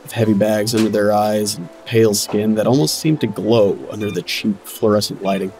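A man's voice: on the low side, steady tone, moderate pace, a little mellow, faint music behind, lightly acted. An actor playing a wry, weary working man who narrates his own story in a dry, self-deprecating way in an audio drama. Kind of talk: scripted first-person narration, noir audio drama.

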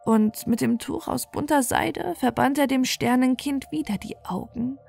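High-voiced woman narrating a bedtime tale. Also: moderate pace, gravelly, darkish tone, soft background music. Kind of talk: scripted bedtime story narration.

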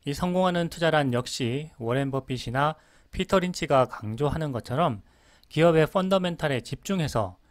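A male narrator delivers a scripted finance voice-over in a brisk, even, explanatory manner. He moves at a racing pace. The recording is dry and close, with no room around it. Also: a little high, dry recording. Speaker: channel narrator.

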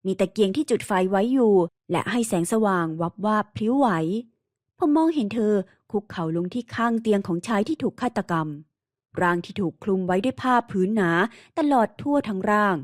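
A woman's voice: medium pitch, animated, brisk, dry recording. Woman narrating a mystery in a dry close voice. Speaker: audiobook narrator. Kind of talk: scripted narration.

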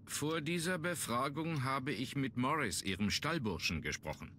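An actor playing a businesslike police inspector in a video game, inquisitive and matter-of-fact. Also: male voice, medium pitch, expressive, normal speed, pushed and bright, slight background noise. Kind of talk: German video game voice acting.

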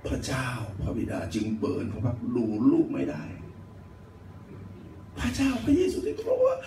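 A male pastor giving a sermon, explaining scripture point by point with animated, emphatic delivery. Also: mid-range voice, moderate pace, slight background noise. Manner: animated, rising to loud emphatic bursts. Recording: roomy echo, distant mic, faint ambience.

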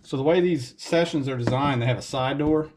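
A man, casually explaining a camera setup in a relaxed, conversational way with frequent fillers, recorded on a camera mic in a home garage. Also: medium pitch, a little fast, a little hiss or hum. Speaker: fishing channel host. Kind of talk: casual how-to vlog. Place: home garage workshop, indoors.

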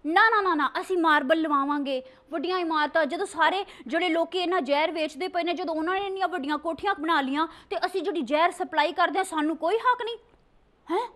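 A woman's voice: very high-pitched, fast talker, a bit bright. A young woman with a Punjabi accent playing a melodramatic, cheeky female cobra on a comedy show, talking like a dramatic, emphatic aunty. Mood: dramatic, indignant. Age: young adult. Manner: dramatic, emphatic aunty-like complaining with repeated words. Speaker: TV show host. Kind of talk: comic in-character call-in show. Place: TV studio, indoors.

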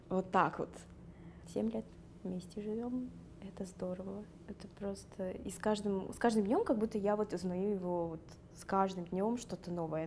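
A woman's voice: on the low side, mellow, slight background noise. A young woman from the North Caucasus with a light Circassian accent, chatting in a sit-down interview, laughing often and using many fillers. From Karachay-Cherkessia, North Caucasus. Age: young adult. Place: dark studio. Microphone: lapel.

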